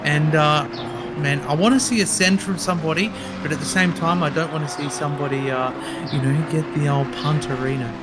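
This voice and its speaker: A man's voice: a little high, steady tone, fairly quick, very noisy. A man co-commentating a sim race, bantering and laughing at himself. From Australia. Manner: laughing, self-deprecating banter.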